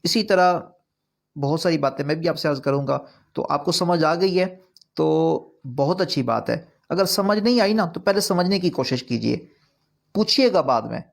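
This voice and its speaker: A man's voice: a little high, animated, gravelly. A man teaching an online recitation course, explaining points earnestly and repeating them with rising emphasis. Urdu is not his first language.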